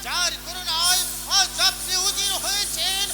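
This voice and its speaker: A righteous young royal on a folk stage, indignant and hammy. The pitch is extremely high and the declaiming slow and emphatic, over loud music. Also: little pitch movement. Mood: righteous reproach.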